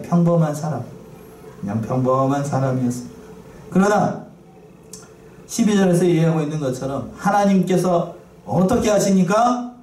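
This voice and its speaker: In a church sanctuary, a male pastor with a fairly high, warm voice delivers a sermon, frequently asking the congregation questions and repeating key phrases. The recording sounds roomy and distant, with faint noise.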